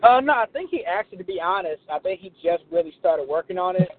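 A man's voice: sits high, expressive, fast talker. A man chatting casually and supportively, with many "you know" fillers. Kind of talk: casual chat. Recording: tinny phone line with faint noise.

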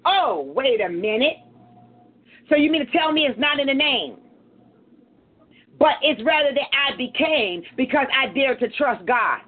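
A woman's voice: sits high, expressive, measured pace, pauses often, slightly rough. A woman with an African American accent preaching a fervent call-and-response sermon, emphatic and repetitive, with punctuating exclamations. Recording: tinny phone-like sound.

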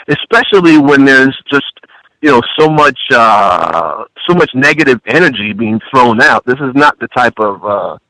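A man's voice: mid-range voice, sharp tone, no echo, poor audio. A man born in France, a guest on a call-in radio show, defending himself and restarting his words often.

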